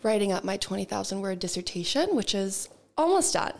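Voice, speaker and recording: A woman's voice: medium pitch, big pitch swings, a little fast, gravelly, a little mellow. A young woman hosting a podcast, upbeat and enthusiastic as she introduces her guest. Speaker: podcast host. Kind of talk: podcast interview. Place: university institute in London.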